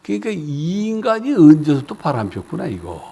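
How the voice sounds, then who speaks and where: A man's voice: fairly high pitch, moderate pace. A man preaching at a revival meeting in a church, telling stories animatedly and putting on the voices of the people in them. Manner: animated storytelling with acted voices. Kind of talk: revival sermon. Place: church sanctuary.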